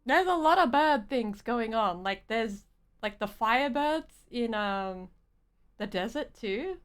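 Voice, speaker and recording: Slow-paced, higher-voiced young woman streaming. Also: lively intonation, clean tone. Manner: rambling, halting, slangy. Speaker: game streamer. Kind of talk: casual live game commentary.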